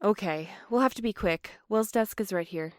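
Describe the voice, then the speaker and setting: A woman playing an anxious, apologetic young postal worker in a fiction podcast, earnest and halting in her delivery. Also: mid-range voice, no room sound, clean studio sound, close to an everyday voice. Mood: fond, hushed. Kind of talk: fiction podcast audio drama acting.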